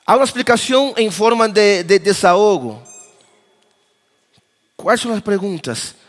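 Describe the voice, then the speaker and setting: A man preaching a conference sermon as pastor, with dramatic pauses and moments of acting out dialogue. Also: sits high, animated. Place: church auditorium. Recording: long reverb of a church hall.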